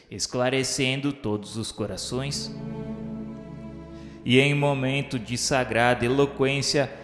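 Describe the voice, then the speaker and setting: Brief: male narrator for religious radio play, mid-pitched, formal storytelling, long reverb with faint music underneath. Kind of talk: scripted narration for devotional radio drama. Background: soft music.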